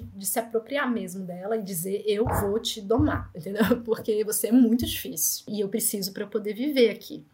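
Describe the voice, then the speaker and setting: A Brazilian woman in her thirties, speaking with a Brazilian Portuguese accent in a mid-range voice, rattles off lively anecdotes at a fast clip during an interview. It's casual storytelling.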